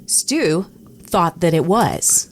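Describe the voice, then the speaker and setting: A woman's voice: lowish voice, expressive, drawn-out words, slight background noise. A woman who works in radio, chatting casually and acting out remembered exchanges as a podcast co-host. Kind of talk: casual conversational storytelling.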